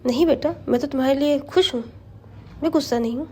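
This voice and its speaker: A woman's voice: sits high, fast, darkish tone, lightly acted. A woman voicing a stern yet loving middle-aged mother who scolds with drama. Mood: angry, scolding. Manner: scolding, then doting.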